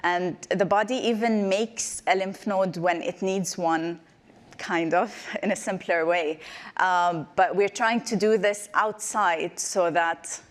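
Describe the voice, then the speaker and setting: A woman's voice: fairly low pitch, steady tone, takes it slowly. A woman in her twenties from Palestine, raised in the Emirates. She gives a short, playful research talk as a PhD candidate, then answers questions with many ums.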